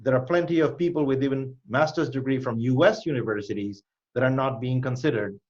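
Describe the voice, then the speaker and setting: A man hosting a live online Q&A as a cybersecurity educator, giving direct, emphatic advice with quick lifts in pitch. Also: muffled recording. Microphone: video call.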